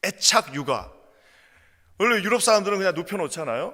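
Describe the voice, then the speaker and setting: A man projects a raised voice with a bright, sharp tone. He talks at a fairly quick pace with lively intonation. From South Korea, island village. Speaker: pastor. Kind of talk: sermon.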